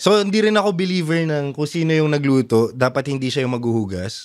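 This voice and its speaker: A man with an unremarkable speaking voice talks with lively intonation. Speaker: food content creator. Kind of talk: podcast guest conversation.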